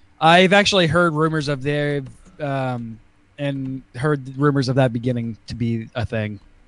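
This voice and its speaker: An unremarkable speaking voice moves at a fairly slow pace. Its pitch varies in an ordinary way. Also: man, medium pitch for a man. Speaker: podcast host. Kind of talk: casual banter podcast. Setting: video call.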